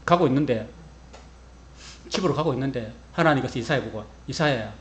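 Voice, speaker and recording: A male pastor preaching a sermon, telling the story in a lively, humorous way and acting out the quotes. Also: mid-range voice, brisk, slight background noise.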